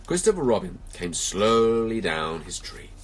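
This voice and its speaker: A man reading a children's story aloud with expressive, theatrical narration and drawn-out emphasis. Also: lowish voice. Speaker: storybook reader.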